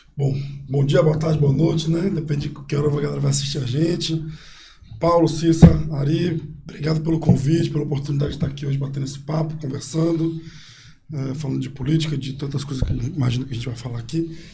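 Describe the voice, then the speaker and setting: A man speaks very fast in a fairly high pitch. His intonation is monotone and flat, with audible room echo around him. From Brazil, Rio de Janeiro. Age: 30s. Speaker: city councillor, politician. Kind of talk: interview.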